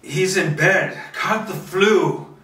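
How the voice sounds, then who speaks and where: A man's voice: high voice, pushed and bright, voice pushed up, exaggerated voice. Casting: male reader as proud, flustered old lady, strained raised voice, table read, roomy distant mic. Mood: cheerful evasion. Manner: halting, insistent, repeats herself. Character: polite elderly married woman, flustered and firmly proud.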